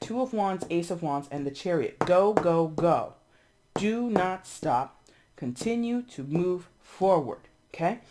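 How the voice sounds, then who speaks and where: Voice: mid-range voice, darkish tone. Congested, blunt tarot reader in their thirties. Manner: blunt and chatty, swears, repeats words for emphasis. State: congested, sniffling. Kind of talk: casual tarot reading.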